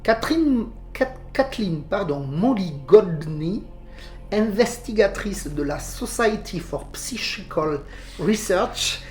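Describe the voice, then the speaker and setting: This podcast co-host, a woman with a southern French accent, reads a report aloud and falls back on fillers when she talks off-script. She speaks slowly in an animated, mid-range, slightly mellow voice. Faint music plays behind her in a roomy home setup.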